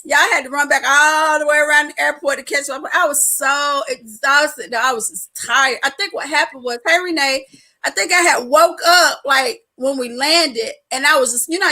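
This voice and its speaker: A woman with a high, bright voice holds forth in casual chat. She tells her stories loudly and frankly, with laughter and slang all through. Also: moderate pace. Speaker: live stream co-host.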